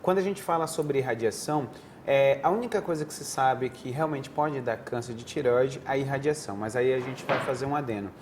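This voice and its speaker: Surgeon explaining in plain terms. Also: male voice, medium pitch, fairly quick, a little hiss or hum. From Northeastern Brazil. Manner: didactic, conversational, frequent restarts. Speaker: head and neck surgeon, guest. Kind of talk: explanatory interview answers. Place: TV studio desk.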